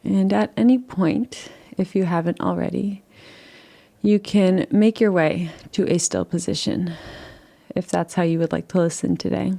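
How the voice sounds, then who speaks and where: A woman leading a guided relaxation in a soft, unhurried, soothing way, gently inviting rather than instructing, with long pauses between phrases. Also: lowish voice, steady tone, creaky. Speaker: meditation guide.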